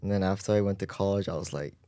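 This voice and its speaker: A man's voice: deep voice, fast talker, mellow. A young man of twenty chatting on a podcast, rambling with constant "like"s. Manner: rambling, lots of "like". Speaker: guest volunteer. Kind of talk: casual podcast chat.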